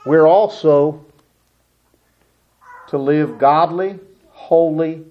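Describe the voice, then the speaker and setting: Middle-aged male pastor, high-pitched, slow unhurried delivery, muffled recording. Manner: storytelling, animated, acts out family voices. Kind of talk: sermon.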